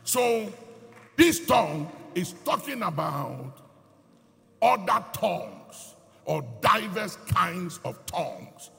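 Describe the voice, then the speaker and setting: A male preacher delivers an emphatic sermon in a gravelly, bright voice that sits a little high. His words ring out in a big hall with a long reverb.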